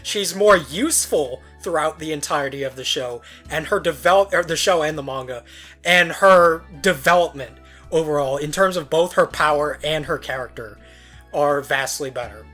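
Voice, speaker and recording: A man's voice: on the high side, normal speed, bright, forceful tone, soft background music. Blunt, opinionated young-sounding man debating. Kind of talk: casual debate chat.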